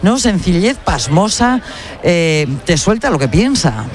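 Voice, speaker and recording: A woman anchoring live radio coverage, chatty and animated, with many restarts as she hands over to reporters. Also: on the low side, unhurried, a crowd in the background. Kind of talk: live broadcast commentary.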